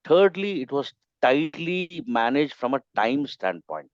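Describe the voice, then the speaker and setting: A man with an Indian English accent, a member of a coaching chapter, giving opinions in a casual online meeting with emphatic, halting phrasing. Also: mid-range voice, big pitch swings, no echo. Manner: opinionated, emphatic, with pauses and restarts. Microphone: video call. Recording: slightly dull call audio.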